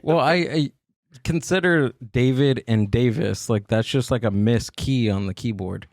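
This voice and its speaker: A man hosting a podcast, his voice gravelly with fry. The sound is dry and close. He teases his guests and asks playful questions. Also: medium pitch, a little slow, a little mellow, dry recording. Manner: teasing, joking interviewer. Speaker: podcast host. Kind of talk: casual chat.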